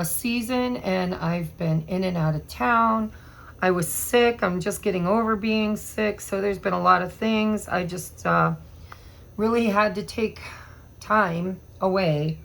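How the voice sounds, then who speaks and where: A woman doing a casual tarot reading to camera, hoarse from allergies, chatty and meandering as she thinks aloud. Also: mid-range voice. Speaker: tarot reader.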